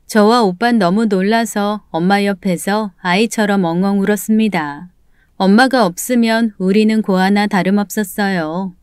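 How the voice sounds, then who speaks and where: A woman's voice: mid-range voice, steady tone, normal speed, clean tone, no echo, clean studio sound. A woman narrating a scripted family drama in first person, with emotional, indignant delivery. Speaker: narrator and lead voice actor. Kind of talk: scripted story narration with acted dialogue.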